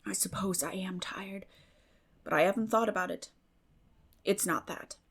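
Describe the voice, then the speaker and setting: A woman's voice: medium pitch, moderate pace, breathy edge. A woman voicing a weary, bitter older farm woman in an audiobook, speaking in plain rural phrases with sad resignation. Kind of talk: dramatic audiobook reading.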